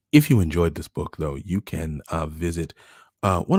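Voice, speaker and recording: Very deep and low, a man's somewhat breathy voice comes at a moderate pace, dry and close with no echo, on a very clean recording with a silent background. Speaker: storytelling livestream host. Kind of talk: casual livestream chat after reading aloud. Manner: hesitant, many fillers.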